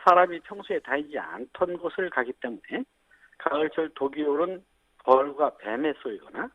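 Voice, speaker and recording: Guy explaining safety tips over a phone line, kinda husky, lots of "uh"s, tinny sound. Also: fairly high pitch, normal speed, no room sound. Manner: explanatory, steady, frequent fillers. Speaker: agricultural agency team leader. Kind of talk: phone interview on radio. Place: on a phone call.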